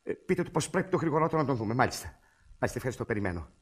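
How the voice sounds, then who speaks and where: A man playing a fussy, flustered bachelor brother in a comic radio play, excitable and husky. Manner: excitable, jumps between high and low pitch. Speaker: brother caring for a foundling baby.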